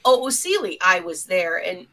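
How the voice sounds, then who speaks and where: A woman's voice: fairly low pitch, big pitch swings, normal speed, fairly bright tone. A woman co-hosting a podcast, talking casually and reflectively from experience in an emphatic, opinionated way. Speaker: podcast co-host. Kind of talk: casual opinionated group discussion.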